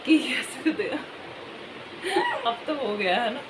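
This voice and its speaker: A chatty woman talks through her evening at home, coaxing her little ones along. Her voice sits a bit high. The phone recording has a steady hum of household noise behind her. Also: takes it slowly. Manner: chatty, coaxing and soothing toward her children. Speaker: mother and family vlogger. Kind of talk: casual home vlog talk. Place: home indoors at night.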